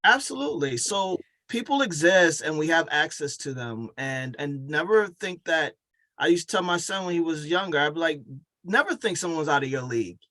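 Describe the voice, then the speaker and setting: A man with a slightly high voice hosts a conversational interview. He speaks like an encouraging coach, affirming and motivational. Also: expressive, normal speed, pushed and bright. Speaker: podcast host and coach.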